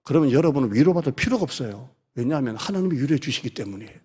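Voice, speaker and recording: A middle-aged man from South Korea preaching a Sunday sermon in a conversational way, sometimes dropping to soft near-whispers. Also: mid-range voice, animated, racing, husky. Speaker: pastor. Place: church sanctuary. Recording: long church reverb.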